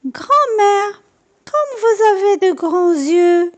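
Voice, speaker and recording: A woman voicing an innocent little girl in a red hood, high and wide-eyed, exclaiming each line. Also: animated, drawn-out words, highs cut off, exaggerated voice. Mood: amazed.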